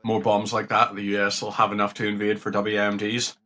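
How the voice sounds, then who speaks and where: A man's voice: on the low side, completely flat delivery, fairly quick, bright, forceful tone. A young man casually commentating on a game, jokey and rambling, swearing now and then. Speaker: gaming streamer. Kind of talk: casual commentary while playing.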